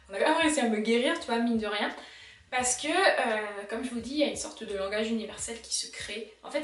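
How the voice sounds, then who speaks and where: A young woman with a strong Alsatian accent talks casually and animatedly to her viewers, at an ordinary middle pitch. The sound is roomy and the camera mic sits some way off. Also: distant mic. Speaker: illustrator vlogger.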